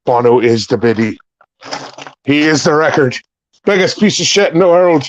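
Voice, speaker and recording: A man's voice: on the high side, expressive, normal speed, a little hiss or hum. A man joking as a stream guest, playing a celebrity persona with a put-on Irish accent. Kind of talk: casual banter in character.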